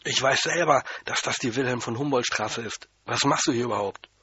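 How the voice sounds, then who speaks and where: A furious, heavy-set old caretaker barks and hisses threats at a child, his voice husky and strained, as a man reads him aloud. The recording is dull and lo-fi with a dry, close sound. He never stops sounding angry. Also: lowish voice, lively intonation, a little fast, no echo, heavily acted. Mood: bellowing. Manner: shouting, bullying, hissing threats.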